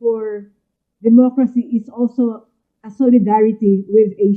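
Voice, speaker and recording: The woman here has a high pitch. She keeps her intonation fairly even. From Philippines. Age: 70s. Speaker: grassroots organizer. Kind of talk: forum presentation. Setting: video call. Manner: halting.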